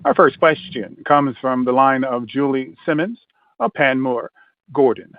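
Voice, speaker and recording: A man with a mid-pitched voice reads scripted operator announcements. It comes through a dry, narrow telephone connection. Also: expressive, measured pace, dry recording. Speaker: conference call operator. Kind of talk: scripted call instructions.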